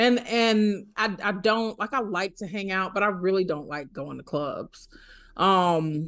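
A woman at a very slow pace, ordinary pitch variation, quiet background. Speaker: lawyer and author. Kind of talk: casual interview.

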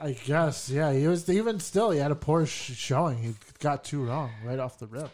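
The pitch moves in an ordinary way. It is a normal speaking voice. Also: man, fairly high pitch for a man, moderate pace. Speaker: co-host. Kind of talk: casual banter. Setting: studio.

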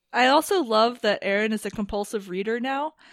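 On a very clean recording with a silent background, a woman uses a normal speaking voice at a fairly high pitch with ordinary pitch variation. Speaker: podcast co-host. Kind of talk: casual podcast discussion of a TV episode.

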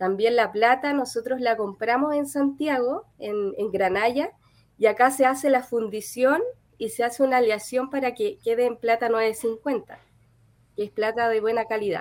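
On a very clean recording with a silent background, a woman speaks in a plain, everyday voice. Her pitch is fairly high, her pace fairly slow and her pitch variation ordinary. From Chile, Coquimbo region (Tulahuén). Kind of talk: interview.

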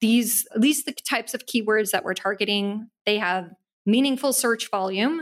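In a very clean recording with a silent background, a woman with an ordinary speaking voice talks at a moderate pace in a fairly high pitch. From United States. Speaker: startup founder. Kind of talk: casual interview.

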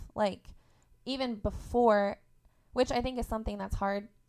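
Her pace is moderate and her pitch varies in an ordinary way. The recording is very clean, and the background is silent. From Indiana, US Midwest. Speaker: podcast guest. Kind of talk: casual chat.

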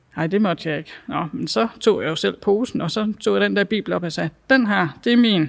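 With lively intonation and vocal fry, a woman at medium pitch talks at a moderate pace with hardly any pauses. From Denmark, Jutland (Tørring area). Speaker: shop manager. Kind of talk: casual chat.

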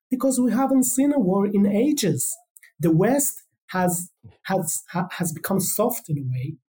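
A dark, mellow tone with a Spanish accent, very wide pitch swings and a fairly slow pace. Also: man, high pitch for a man. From Israel, early childhood in Buenos Aires, Argentina. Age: 30s. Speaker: journalist. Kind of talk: interview testimony. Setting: remote call from Tel Aviv.

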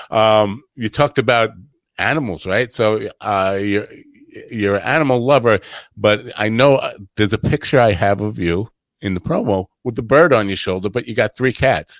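Speaking with a New York accent, a man uses a fairly low pitch, ordinary pitch variation and a moderate pace, in a dry, close sound with no echo. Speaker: podcast host and musician. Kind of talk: casual chat. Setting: video call.

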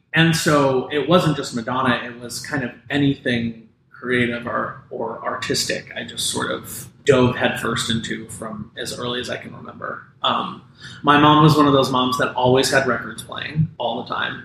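A man talks at a moderate pace and a medium pitch, with hardly any pauses. His intonation is fairly even, his loudness swings widely, and there is noticeable background noise. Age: 40s. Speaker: writer and comedian. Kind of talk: casual chat.

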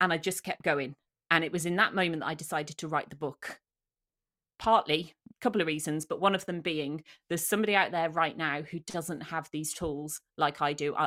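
A woman with a Welsh accent talks at a fairly quick pace in a fairly low, bright and sharp voice with fairly even intonation, recorded dry and close with no echo, very clean against a silent background. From Wales. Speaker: life coach and author. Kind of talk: interview conversation.

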